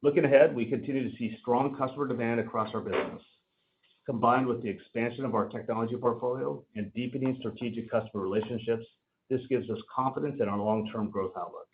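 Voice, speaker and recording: A man giving a formal, measured, scripted financial presentation as a company executive on a conference call. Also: medium pitch, steady tone, slight background noise. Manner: formal, measured delivery of prepared remarks. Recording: narrow tinny phone-line sound.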